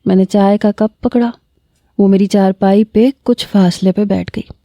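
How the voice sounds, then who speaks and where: Very dark-voiced woman storyteller. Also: medium pitch, steady tone, dry recording. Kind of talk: scripted story narration.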